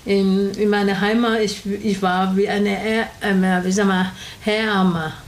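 A woman with a Chinese accent, a native Chinese speaker, talking in an interview in halting speech, pausing to find words and correcting herself. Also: medium pitch, steady tone. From Taiwan. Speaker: interviewee, opera singer. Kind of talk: casual interview chat.

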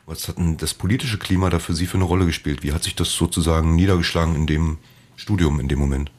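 A man's voice: extremely low pitch, fairly even intonation, quick pace, darkish tone, slightly rough. A man interviewing, asking long, winding questions full of fillers. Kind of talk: oral history interview.

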